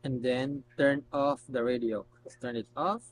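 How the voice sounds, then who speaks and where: A man doing a casual, unscripted product demonstration, explaining step by step in a halting way. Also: medium pitch, steady tone, rough recording. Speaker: product reviewer. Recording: noticeable background noise and hum.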